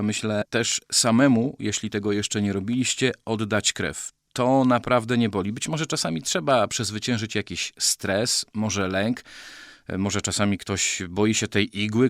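A man from a police school speaking in an interview in a measured way, with hesitant fillers. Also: lowish voice, no echo, studio quality.

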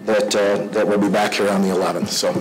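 A man's voice: lowish voice, little pitch movement, fairly quick, slight background noise, low-quality recording. A man giving public comment at a podium in a meeting room, talking hesitantly with restarts and fillers. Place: indoor township meeting room. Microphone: podium microphone.

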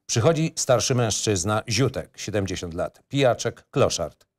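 A man's voice: lowish voice, lively intonation, normal speed. A man narrating a screenplay in clipped, matter-of-fact phrases.

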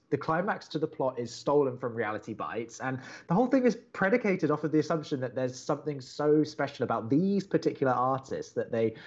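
An actor playing a young, wordy and opinionated college radio co-host in an audio drama, talking in halting conversational bursts. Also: male voice, mid-range voice, lo-fi sound, close to an everyday voice. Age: young adult. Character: earnest, exasperated young male college radio co-host, a theatre buff.

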